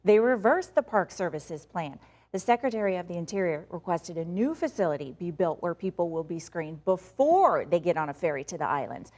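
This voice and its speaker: A woman's voice: lowish voice, very animated, fairly quick, darkish tone. An American woman anchoring morning news in a TV studio, switching between news reading and chatty, conversational delivery. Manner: chatty, conversational, teasing asides. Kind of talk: broadcast news reading with playful co-anchor banter.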